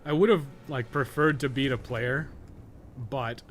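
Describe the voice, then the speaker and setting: Male game streamer, mid-pitched, casual and sweary, muttering play-by-play with noticeable background noise. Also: a little slow. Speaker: game streamer, podcast host. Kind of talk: casual live gameplay commentary.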